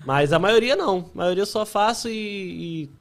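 A man's voice: sits high, lively intonation, normal speed. A young man with a Carioca accent, chatting casually as a podcast guest, laughing often and using lots of filler words. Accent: Carioca Portuguese. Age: young adult. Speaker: guest, content creator.

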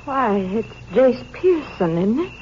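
An actress playing a grieving, hesitant sheriff's widow in a 1950s radio drama. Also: female voice, a little high, very animated, takes it slowly, dark tone. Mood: subdued, sorrowful. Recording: noisy, clicking, muffled 1950s radio recording.

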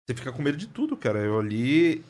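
A man with a Brazilian Portuguese accent, a podcast guest who works in the press, telling a story in casual chat, animated and laughing often. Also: medium pitch, quick pace.

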